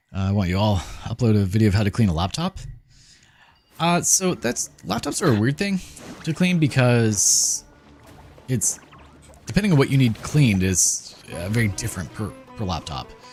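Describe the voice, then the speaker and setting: Music plays behind a man whose fairly low voice swings very widely in pitch at a moderate pace, broken by long, frequent pauses. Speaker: gaming streamer. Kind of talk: casual chat.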